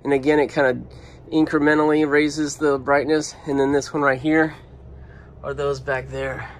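Man, offhand and chatty, slightly high voice, phone mic, inside a van. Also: little pitch movement, normal speed, slight background noise. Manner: chatty, offhand, thinking aloud. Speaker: vlogger. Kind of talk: casual walkaround video. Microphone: handheld phone.

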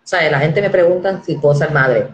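A woman in her forties hosting a casual live-stream chat, animated and acting out the voices she quotes. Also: low-pitched, brisk, roomy sound, slight background noise, rough recording. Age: 40s. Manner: animated, acts out quoted voices, repeats words.

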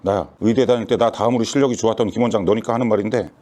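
A comedian playing an exasperated family doctor on a phone call, swearing and ranting sarcastically in mock medical jargon. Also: male voice, fairly low pitch, rapid-fire, a little mellow, pitched below the performer's own voice, close to an everyday voice. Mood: confiding. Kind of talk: one-sided phone call comedy sketch.

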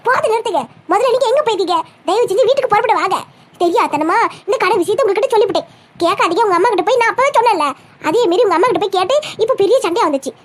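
A woman's voice: very high voice, lively intonation, racing. A woman playing a fretful, pleading young fiancée. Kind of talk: cartoon comedy voice acting.

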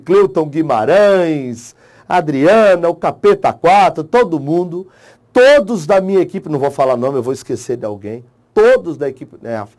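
A man with a Brazilian accent, an online course teacher giving an emotional motivational talk to exam candidates, swinging between soft and loud. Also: on the high side. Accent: Brazilian Portuguese.

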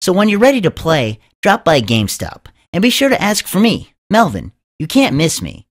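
A man's voice: sits high, wildly swooping pitch, normal speed, voice pushed up, heavily acted. Man doing an eager geeky store clerk, wildly swooping. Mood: eager, boastful. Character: nerdy, boastful video game store clerk. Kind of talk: character radio commercial.

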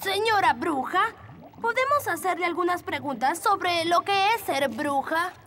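A little cartoon elf boy, curious and well-mannered. The voice is extremely high Latin American Spanish, with faint noise in the background. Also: lively intonation, measured pace, pushed and bright, full character voice. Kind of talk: children's cartoon dubbing.

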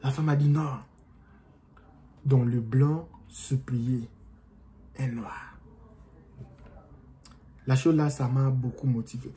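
A young man with an accent, talking to camera in an animated, rambling motivational vlog from a small room at home. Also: mid-range voice, slow pace, long pauses, a little hiss or hum. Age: young adult. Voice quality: non-native-sounding French accent, by his own account. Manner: animated, gesturing, rambling with restarts. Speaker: motivational vlogger. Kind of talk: casual motivational talk to camera.

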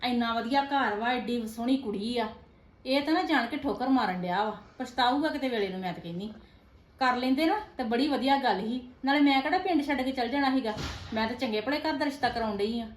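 A proud village matchmaker, played by a woman, rattles off her grievances in an Indian Punjabi accent. Her voice sits a little high and the words tumble out fast. The room rings with echo around her. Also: close to an everyday voice. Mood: offended. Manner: indignant, complaining, fast-talking. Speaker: matchmaking neighbour. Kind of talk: village family drama acting. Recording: echoey room.

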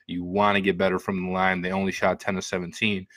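An American man in his twenties hosts a sports show, rambling casually and conversationally into a desktop mic held close in a small room at home. His voice is low, monotone, quick, and a bit bright, with no room sound at all.

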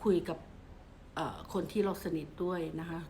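A middle-aged woman from Thailand giving casual advice to camera. She speaks politely and steadily, softening almost every phrase with a gentle polite ending. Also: fairly low pitch, steady tone, moderate pace, a little hiss or hum.

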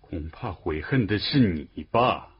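A man's voice: deep voice, expressive, takes it slowly, slightly rough, heavily acted. An actor playing a cunning, imperious older king who gives commands and mocks, in a period drama. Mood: stern. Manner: commanding, with mocking laughs. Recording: dull lo-fi TV audio. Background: score music.

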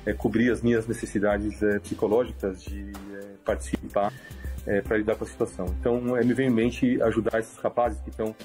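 Man, middle-aged, phone at arm's length, slightly low voice, hesitant with fillers, music underneath. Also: little pitch movement, a little mellow. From Brazil, São Paulo. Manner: hesitant, many filler pauses. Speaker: volunteer driver interviewed. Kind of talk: self-recorded video testimony. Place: indoors at home, in a car and by a roadside. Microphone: phone camera at arm's length.

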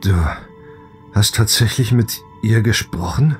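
A man's voice: on the low side, a little slow, soft background music, lightly acted. A man acting a devoted, troubled grown son in a German audio drama, speaking earnestly and hesitantly. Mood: reflective.

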